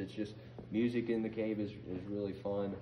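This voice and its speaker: A man talks at a fairly slow pace in a normal speaking voice, his intonation fairly even. Light background noise can be heard. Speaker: cave park guide. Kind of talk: tour guide explanation. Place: tunnel cave. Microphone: camera far.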